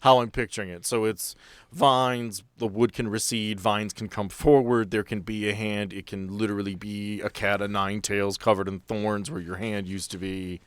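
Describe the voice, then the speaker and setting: A man's voice: lowish voice, steady tone, normal speed, clear, resonant tone, no room sound. A man working as game master, narrating scenes and chatting casually with players in a tabletop game.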